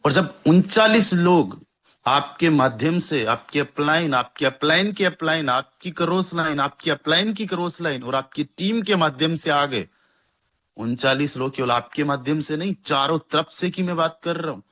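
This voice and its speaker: A young man makes a persuasive sales pitch for a network marketing plan, hyping the earnings and repeating figures to his listeners. He sounds expressive and sharp, speaking at a normal speed.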